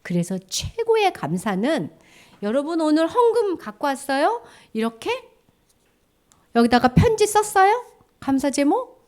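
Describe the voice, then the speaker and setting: A woman's voice: high voice, unhurried. A woman preaching a children's sermon in church, acting out cries and prayers and dropping to a whisper. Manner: lively, acts out cries and prayers, drops to a whisper.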